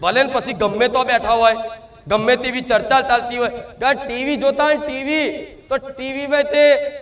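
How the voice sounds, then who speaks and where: A man, speaking loudly as a spirit medium in a trance sermon to devotees, full of repetition and rhetorical questions. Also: extremely high pitch, fairly even intonation, normal speed. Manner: loud, shouting, declamatory.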